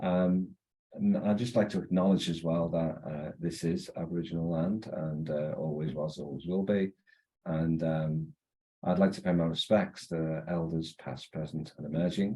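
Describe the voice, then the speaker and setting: With a Liverpool accent, a man speaks at a moderate pace in a very deep, low voice with fairly even intonation. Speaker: speaker giving an acknowledgement of country. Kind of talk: informal spoken, with fillers.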